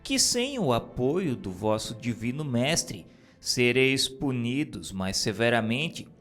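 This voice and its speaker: Male narrator, solemn scripted spiritual reading, unhurried delivery with lively intonation over background music. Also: medium pitch.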